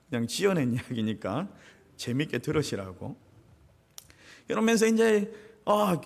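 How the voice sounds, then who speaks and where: Korean pastor preaching, fairly high voice, lots of swing, big church echo. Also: male voice. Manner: storytelling, lively, addresses congregation directly. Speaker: senior pastor. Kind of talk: sermon. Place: church sanctuary. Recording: reverberant church sanctuary.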